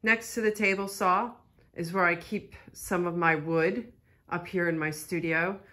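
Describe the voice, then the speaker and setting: A woman's voice: fairly low pitch, fairly even intonation, unhurried, pushed and bright. A middle-aged woman with a Philadelphia American accent, chattily explaining things as she gives an informal studio tour. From Philadelphia, United States. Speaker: artist and studio tour host.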